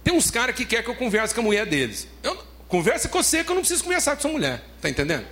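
A man's voice: very high voice, wildly swooping pitch, racing, a bit bright. A man with a Brazilian Portuguese accent preaching a sermon as pastor, emphatic, repeating phrases and calling listeners beloved.

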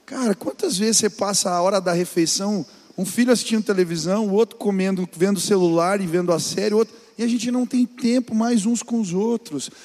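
High-voiced man preaching in a reverberant hall. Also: a little fast, few pauses, darkish tone. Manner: earnest, exhorting the listener directly. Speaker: pastor. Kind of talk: preaching on family life.

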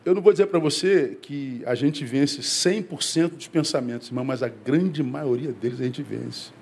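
A man's voice: moderate pace, vocal fry, slight background noise. A man from Brazil, a pastor giving a conversational sermon to his congregation, calling them brother and acting out quoted voices. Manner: acts out quoted voices, rising to high excited emphasis.

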